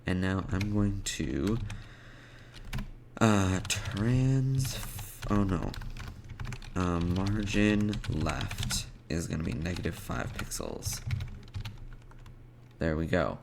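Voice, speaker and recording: Very low, gravelly man coding aloud. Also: lively intonation, extremely slow, pauses often. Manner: thinking aloud in short fragments while working. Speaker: programming tutorial presenter. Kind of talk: live coding screencast narration, unscripted. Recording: noisy, with keyboard typing and mouse clicks. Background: keyboard typing and clicking.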